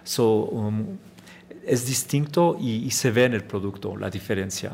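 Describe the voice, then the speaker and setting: Slow, hesitant American man speaking Spanish. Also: on the low side, expressive, gravelly, darkish tone, slight background noise. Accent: American English. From Chicago, USA. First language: English. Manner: hesitant Spanish full of fillers, switches to English words. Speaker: watch company founder, guest. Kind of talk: interview answers.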